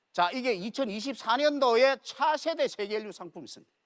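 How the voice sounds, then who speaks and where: A man speaks in an animated tone at an extremely high pitch and a moderate pace. The recording is very clean with a silent background, and the sound is dry and close with no echo. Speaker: company advisor giving product presentation. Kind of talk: product presentation lecture.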